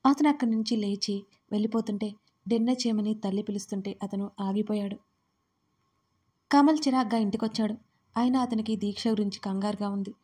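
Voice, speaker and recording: A woman tells a serialized romance story in a steady, scripted narration. Her voice is mellow and soft-edged, sitting at an ordinary middle pitch for a woman. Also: slightly rough. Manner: reads every part herself, louder and higher in the characters' lines.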